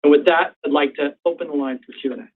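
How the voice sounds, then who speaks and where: Guy exec on earnings call, bit high voice, measured, phone sound, kinda far from mic. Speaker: company chief executive on an earnings call. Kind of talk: prepared remarks and candid answers to analysts. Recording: distant, tinny phone-line conference call.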